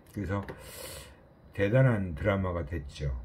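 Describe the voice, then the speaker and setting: A man speaks with lively intonation and a somewhat breathy voice. Audible room echo is present. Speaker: professor. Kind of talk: lecture.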